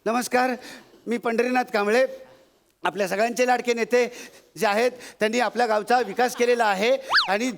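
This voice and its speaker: A man's voice: very high-pitched, steady tone, a little fast, background noise. An actor playing a nervous, bumbling common villager who stumbles over his lines in a stage comedy sketch. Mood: earnest.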